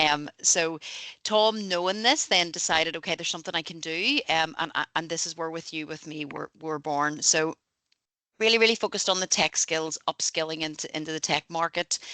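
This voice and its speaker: The recording has a dry, close sound with no echo and a quiet background, carrying a bright, sharp tone in an Irish accent with ordinary pitch variation. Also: woman, fairly low pitch for a woman, fairly quick pace. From Northern Ireland. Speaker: tech training company representative. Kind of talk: webinar presentation. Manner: fast.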